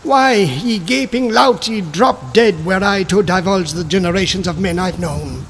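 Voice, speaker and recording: A man's voice: high-pitched, expressive, a little slow, fairly bright tone, pitched above the performer's own voice, full character voice. A man voicing an ancient, mad male sorcerer who raves grandly in archaic speech. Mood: mocking.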